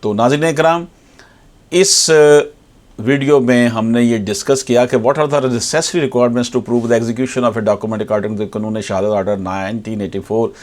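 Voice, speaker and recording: A man with a Pakistani accent explains law to viewers like an advocate, formally, repeating key points and switching into slowly read English. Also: mid-range voice, fairly even intonation. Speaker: advocate presenting legal explainers. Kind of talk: explanatory legal lecture to viewers.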